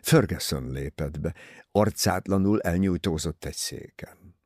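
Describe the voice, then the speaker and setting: A man narrating an audiobook in a measured way, dropping low on the narration tags. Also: darkish tone, no room sound, studio quality.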